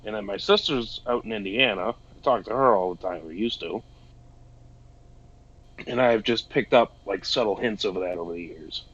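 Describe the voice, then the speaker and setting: A man's voice: on the low side, normal speed, a bit bright, breathy edge, lo-fi sound. A man from Boston chatting casually on a podcast, swearing freely and laughing easily. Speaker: podcast co-host. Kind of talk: casual chat.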